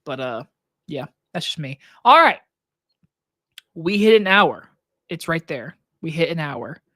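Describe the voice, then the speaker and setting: A man with a scratchy, hoarse throat hosting a casual live stream Q&A from his desk, talking loosely with plenty of likes and restarts into a microphone on a boom arm. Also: lively intonation, measured pace, bright, forceful tone, dry recording, clean studio sound. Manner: loose, rambling talk with many likes and restarts. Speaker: movie reviewer and channel host. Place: home desk setup.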